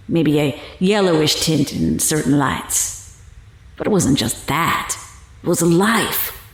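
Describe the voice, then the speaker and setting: In an audio drama, an actress voices a sly, menacing older fortune teller accused of murder, taunting and theatrical as she drawls. Her voice sits low and the sound is roomy.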